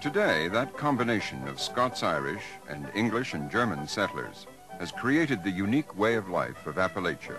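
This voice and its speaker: Music plays behind a man with a fairly low voice. His pitch swings very widely. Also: moderate pace. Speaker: documentary narrator. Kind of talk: documentary narration.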